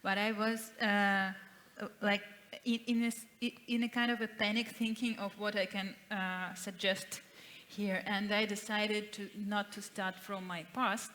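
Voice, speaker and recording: A woman's voice: medium pitch, level tone, unhurried, fairly bright tone, a little hiss or hum. A woman from Russia whose first language is Russian, speaking at a writers' panel in a hesitant, self-deprecating way. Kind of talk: festival panel talk.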